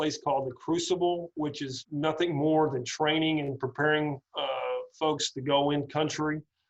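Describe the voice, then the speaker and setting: The speaker has a Texan accent and fairly even intonation. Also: man. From West Texas. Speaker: district attorney. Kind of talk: interview answer.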